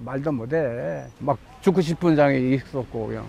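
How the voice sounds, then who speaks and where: Noticeable background noise sits behind the voice. A man talks with ordinary pitch variation. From South Korea, Geumsan, Chungcheong. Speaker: elderly interviewee telling life story. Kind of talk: oral history interview. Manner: halting, with false starts.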